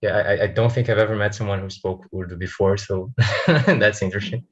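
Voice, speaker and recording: A man's voice: lowish voice, steady tone, fairly quick, slightly rough. A man chatting on a video call in a friendly, interested way, repeating words now and then as he starts a thought. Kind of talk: casual video call chat. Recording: dull lo-fi call audio.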